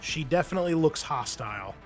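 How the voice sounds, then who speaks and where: A man's voice: on the high side, animated, brisk. A man running a tabletop roleplaying game as game master, talking casually, swearing now and then and thinking aloud. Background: background music.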